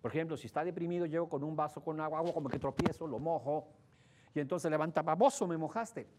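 A man with a Mexican accent gives a lively talk to an audience, telling stories, acting out the voices of the people in them and asking the audience questions. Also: on the high side, quick pace, slight background noise. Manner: animated, acts out voices in his stories, asks the audience questions. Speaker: speaker giving a relationship talk.

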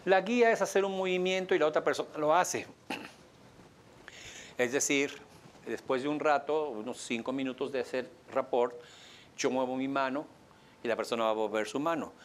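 Animated man teaching a workshop. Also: normal speed, long pauses, slight background noise. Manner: animated, acts out client lines in a higher voice; asks the audience questions. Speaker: coaching instructor. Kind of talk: live coaching workshop lecture.

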